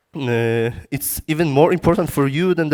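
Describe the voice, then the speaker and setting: In a Polish accent, a man speaks at a medium pitch. The sound is dry and close with no echo, in a very clean recording with a silent background. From Poland. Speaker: acoustic engineer. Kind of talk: lecture. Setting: conference room at trade fair. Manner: halting, many fillers and restarts.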